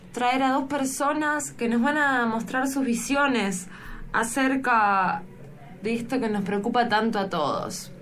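Argentine woman, comedy radio host, relaxed and playful, faint music bed. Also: a little high. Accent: Rioplatense Spanish.

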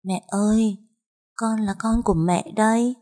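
A woman voicing a menacing ghost child who whispers and wheedles in a thin, high child's voice. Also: fairly even intonation, measured pace, warm tone, lightly acted. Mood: eerie, clingy.

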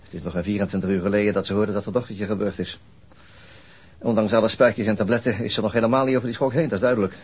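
A sober detective in a radio drama. His voice is fairly low and husky, and he talks quickly and deferentially to his superior. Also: fairly even intonation. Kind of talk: naturalistic radio drama dialogue.

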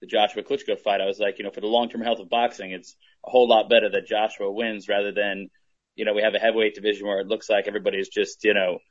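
A man co-hosting a casual sports discussion, heard over low-fidelity call audio. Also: little pitch movement, fast, muffled recording. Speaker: podcast co-host.

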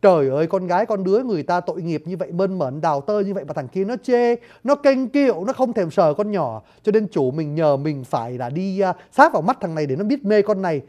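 Mischievous sprite, grumbling, muttering asides, mellow tone, narrator voicing. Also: medium pitch, animated, fairly quick, few pauses, natural voice. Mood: gossipy. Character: mischievous male forest sprite, grumbling errand-runner.

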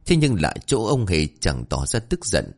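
A man narrating a story in a dramatic, expressive way. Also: low voice, moderate pace, husky.

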